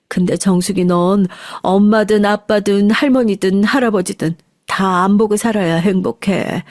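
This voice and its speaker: A woman's voice: medium pitch, no room sound, studio quality, close to an everyday voice. A woman voicing a fierce, protective middle-aged mother who stands up for her daughter. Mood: tender. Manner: shouting, indignant.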